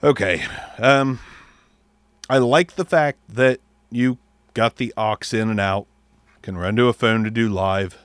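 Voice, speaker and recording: A man's voice: fairly low pitch, measured pace, pauses often, clear, resonant tone, no room sound. A man casually reviewing a microphone, blunt and a little profane, thinking aloud as he tests it. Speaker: mic reviewer.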